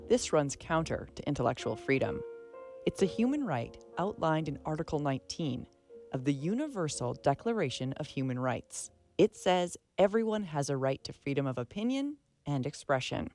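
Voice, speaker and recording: A woman presents a radio arts feature in a low voice. She reads from a script, with faint music around her narration. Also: big pitch swings, moderate pace, a little mellow. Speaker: radio arts show host.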